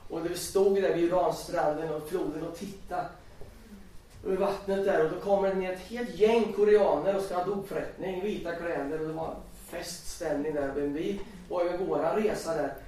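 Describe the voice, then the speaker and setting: Man preaching a sermon, storytelling, higher voice, big echoey hall, heard from a distance. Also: fairly even intonation, mellow. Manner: storytelling, recites scripture with rising emphasis.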